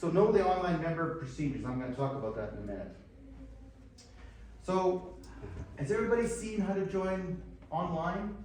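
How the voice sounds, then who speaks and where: Lively intonation from a man with a Canadian accent and a high pitch, at a fairly quick pace with long, frequent pauses, amid noticeable background noise and audible room echo. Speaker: fraternal organization officer presenting to members. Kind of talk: presentation at a meeting. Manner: fast.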